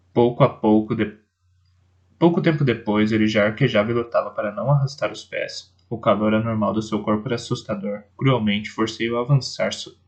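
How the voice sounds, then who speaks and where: Gravel-voiced man reading an audiobook. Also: on the low side, darkish tone. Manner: reads with restarts and self-corrections. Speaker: audiobook narrator.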